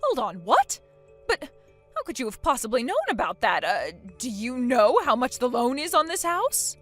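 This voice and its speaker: A woman plays a bossy middle-aged mother-in-law, loud and demanding in a dramatized story. Her voice sits high and swings widely as she scolds. Soft music plays underneath. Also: very animated, moderate pace. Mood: alarmed.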